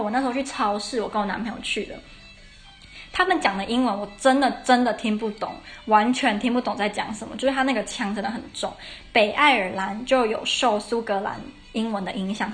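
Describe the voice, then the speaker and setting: Young woman, slightly high voice, podcast lesson host; chatty, self-correcting, with soft music underneath. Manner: chatty, explains step by step, corrects herself mid-sentence. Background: faint traditional Irish music.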